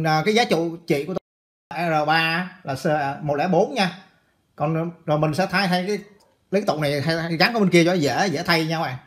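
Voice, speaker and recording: Chatty man, repair tutorial. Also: a little high. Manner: chatty, repeats phrases, addresses viewers constantly. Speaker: electronics repair instructor. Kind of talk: casual hands-on repair tutorial.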